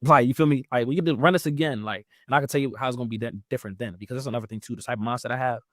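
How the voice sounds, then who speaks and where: Young man in his twenties, loose and chatty, filler-heavy delivery, middle pitch, dead-dry recording. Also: rapid-fire, no echo. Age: 20s. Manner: rambling, heavy use of "like", lively pitch jumps. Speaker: guest. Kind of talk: casual interview chat.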